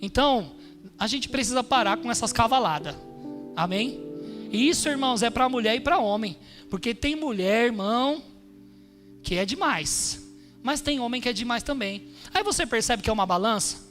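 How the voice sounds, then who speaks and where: A pastor preaching a sermon in a church, emphatic, calling on the congregation with frequent amens. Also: male voice, very high voice. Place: church hall during a service.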